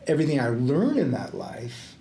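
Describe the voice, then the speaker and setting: An older man, a retired judge who grew up in the Panama Canal Zone with Greek as his first language, talking in a reflective, halting way with many fillers and quick laughs. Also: mid-range voice, huge pitch swings, creaky, mellow. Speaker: retired judge, podcast guest. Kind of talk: casual interview chat. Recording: echoey room, faint background noise.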